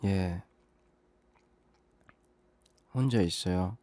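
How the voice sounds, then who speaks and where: Low dark-voiced man, whispered role-play. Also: measured pace, no room sound. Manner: calm, hushed phone talk that turns urgent and reassuring. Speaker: voice actor in a phone-call role-play.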